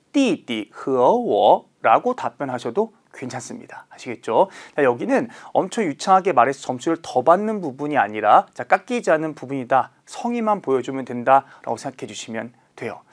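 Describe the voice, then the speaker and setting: A male Chinese language teacher giving a recorded online lecture, often checking in with students through quick rhetorical questions and slowing down to spell out pronunciation. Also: fairly high pitch. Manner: slows down to spell out pronunciation and numbers.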